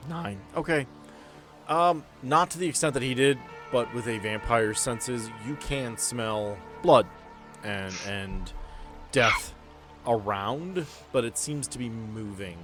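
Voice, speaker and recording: A man's voice: mid-range voice, slow pace, fairly bright tone, soft background music. A man narrating a tabletop roleplaying game as game master, with joking asides.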